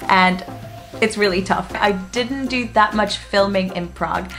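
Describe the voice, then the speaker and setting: A woman in her twenties from the Czech Republic with a blended British and North American accent, chatting excitedly as a travel vlogger. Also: mid-range voice, measured pace. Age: 20s. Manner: chatty and excitable, laughs often. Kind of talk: casual vlog narration. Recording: music playing behind voice-over.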